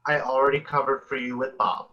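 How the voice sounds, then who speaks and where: A man's voice: mid-range voice, level tone, fairly quick, close to an everyday voice. A man playing a flamboyant, jealous gay sales rep in a sitcom read over a lo-fi video call, arch and knowing.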